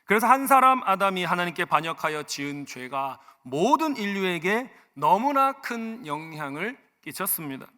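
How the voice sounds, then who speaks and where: A male senior pastor preaching a sermon, talking conversationally with personal stories and switching between soft asides and loud emphasis. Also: high voice, very animated, moderate pace, few pauses. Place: church sanctuary. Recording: long church reverb.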